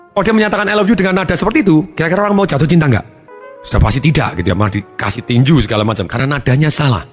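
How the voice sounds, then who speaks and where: A man giving a motivational seminar talk, speaking emphatically and acting out different tones of voice to make his points. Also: mid-range voice. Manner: emphatic, acts out tones of voice to demonstrate. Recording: long hall reverb, faint music behind.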